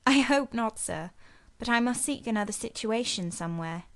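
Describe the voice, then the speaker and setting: A woman's voice: fairly high pitch, animated, normal speed. A woman voicing a young governess who speaks politely but holds her ground. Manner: restrained, polite, quietly firm.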